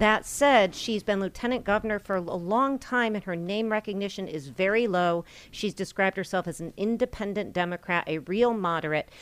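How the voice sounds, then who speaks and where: A woman with a normal speaking voice and medium pitch talks at a fairly quick pace, with hardly any pauses and ordinary pitch variation. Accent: American. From New York. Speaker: political commentator. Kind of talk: panel discussion.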